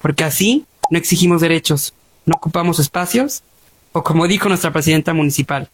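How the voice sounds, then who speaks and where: A woman's voice: low-pitched, a little fast, slightly rough. A woman with a Mexican accent delivering a scripted statement as a disability rights activist.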